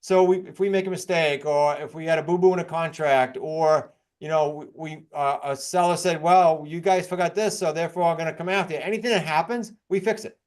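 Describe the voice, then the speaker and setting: A man from New England with an American accent, presenting case studies as an informal, fast-talking real estate coach. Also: on the high side, fairly even intonation. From New England, United States. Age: middle-aged or older.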